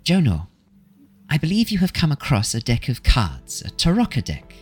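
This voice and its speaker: A man voicing a kindly old woman fortune teller, gentle, calm and cryptic, in a tabletop role-play game. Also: mid-range voice, normal speed, breathy edge, faint music behind, voice pushed up. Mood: solemn, cryptic.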